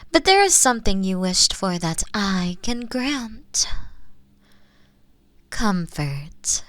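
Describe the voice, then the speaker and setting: A woman voicing a gentle, ageless otherworldly spirit in a comforting audio roleplay, speaking softly and formally with breathy, near-whispered phrase endings. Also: mid-range voice, no echo. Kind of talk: scripted comforting audio roleplay, soft ASMR delivery.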